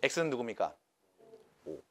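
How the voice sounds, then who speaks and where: A man's voice: mid-range voice, big pitch swings, slow pace, fairly bright tone, a little hiss or hum. A man teaching a math class to students, coaxing and checking in with them by name.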